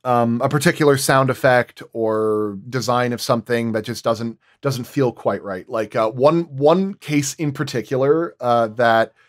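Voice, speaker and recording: A man's voice: mid-range voice, a little slow, hardly any pauses. A man who works as a sound designer, talking casually at a roundtable and explaining his craft with examples, often thinking aloud as he goes.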